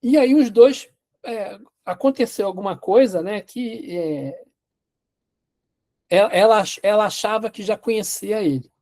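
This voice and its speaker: Male teacher, casual storyteller, restarts a lot, mellow dark voice. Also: sits high, a little slow. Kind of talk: storytelling in a class.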